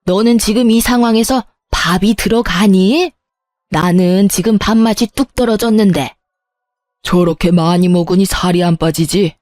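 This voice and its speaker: A woman's voice: medium pitch, normal speed, darkish tone, no echo, faint music behind, lightly acted. A woman voicing a scornful middle-aged mother-in-law who sighs, nags and belittles. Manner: sighing, nagging and belittling.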